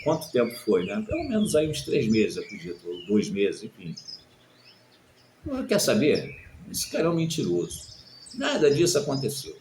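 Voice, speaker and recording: A man preaching a sermon and sharing his testimony, swinging between loud exclamations and soft murmurs. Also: mid-range voice, slight background noise. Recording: echoey room with faint birdsong.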